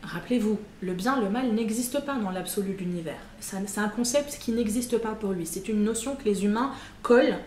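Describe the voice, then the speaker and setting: A woman's voice: medium pitch, brisk, hardly any pauses, darkish tone. A woman talking casually to her viewers about personal development, chatty and full of fillers and self-mocking asides. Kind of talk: casual spoken explainer to camera. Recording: echoey room with faint ambient noise.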